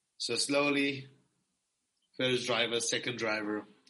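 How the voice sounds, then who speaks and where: A man speaks in a Middle Eastern accent. His tone is bright and sharp. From Iraqi Kurdistan. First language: Kurdish. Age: 30s. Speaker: logistics company manager, former exchange student. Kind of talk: casual interview. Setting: video call. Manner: halting.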